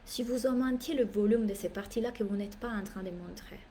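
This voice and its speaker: A woman's voice: mid-range voice, a little fast, a little hiss or hum. A woman business coach speaking French as a second language, giving a live masterclass talk that is emphatic and playful, repeating phrases for effect. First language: not French. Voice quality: animated, playful, theatrical asides.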